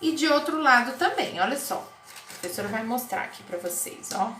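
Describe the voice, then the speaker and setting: A woman with a Brazilian Portuguese accent teaching first graders in a recorded online class, talking slowly in a sing-song, exaggerated way. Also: a little high, lively intonation. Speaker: primary school teacher. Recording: echoey room, faint noise.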